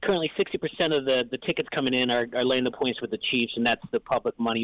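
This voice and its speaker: A man at a very fast pace, with ordinary pitch variation and a dry, close sound with no echo. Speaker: sports betting analyst. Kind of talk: sports talk radio.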